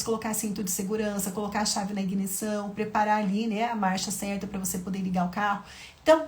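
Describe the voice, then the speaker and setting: A woman in her thirties with a fairly high voice teaches mothers how to talk to their children. She explains step by step and checks in with her listeners often. Now and then she slips into a soft mother's voice, speaking to an imagined child. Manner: acts out gentle mother-to-child dialogues; frequent tag questions, explanatory. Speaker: parenting educator.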